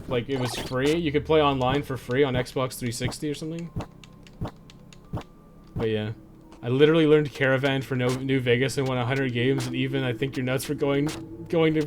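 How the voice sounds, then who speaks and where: A man's voice: mid-range voice, brisk, soft background music. A man chatting casually as he streams a game, rambling and swearing freely as he goes. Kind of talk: casual livestream chat while playing.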